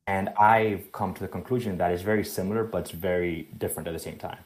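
Deep, apologetic male caller raised in Spain. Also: fairly even intonation, fast. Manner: apologetic, earnest. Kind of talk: phone call question.

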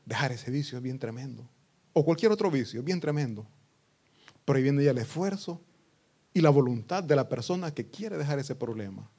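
A pastor preaching a sermon to his congregation, breaking into loud outbursts and acting out what people say. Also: on the high side. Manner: preaching with sudden loud outbursts and acted quotes.

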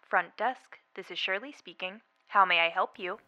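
A woman's voice: mid-range voice, normal speed. A woman playing a curt, bored hospital receptionist, heard through a telephone filter. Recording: tinny phone line.

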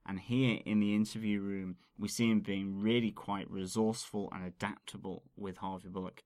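A man from England co-hosts a casual podcast, explaining things at length and laughing at himself. His fairly low voice is flat and a little mellow at a moderate pace, recorded dry with clean studio sound.

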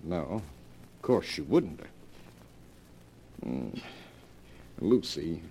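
An actor playing a guilty, suspicious husband in an old-time radio drama, with a theatrical, edgy delivery. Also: male voice, a bass voice, sing-song, extremely slow, gravelly, dark tone, slight background noise, exaggerated voice. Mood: tense, controlled.

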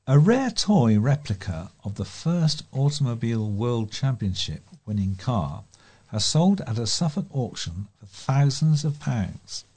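A man's voice: mid-range voice, very animated, unhurried, mellow, breathy edge. A man with a British accent reading scripted local news items as a volunteer newsreader. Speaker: volunteer newsreader for a talking newspaper.

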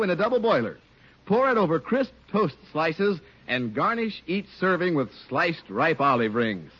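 A man's voice: fairly high pitch, fairly bright tone, slightly rough. A man announcing a scripted radio commercial, cheerful and persuasive. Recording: dull old radio broadcast.

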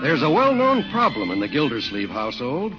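A man's voice: medium pitch, wildly swooping pitch, brisk. A man announcing and narrating a scripted 1940s radio comedy in period style. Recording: dull vintage radio with loud music.

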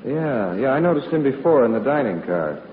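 A man's voice: mid-range voice, sing-song, brisk, echoey room, long reverb tail, slight background noise, lightly acted. An actor playing a dry, skeptical man traveling on a train in a 1940s radio comedy. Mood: wry. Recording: tinny, distant old radio broadcast.

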